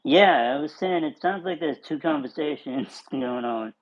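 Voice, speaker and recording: A woman's voice: sits low, normal speed. Woman on a call sounding like she's in a cave, muffled dull line, easygoing chat. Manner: patient, repeats her point when talked over. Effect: hollow cave-like echo from a bad connection. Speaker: participant in an online group call. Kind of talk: casual chat. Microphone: remote call connection.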